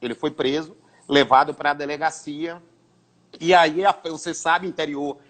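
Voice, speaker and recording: High-voiced man telling a story. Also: a little slow. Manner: animated anecdote-telling with repetitions and restarts. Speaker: radio broadcaster and sports commentator, guest. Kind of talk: storytelling in a casual interview.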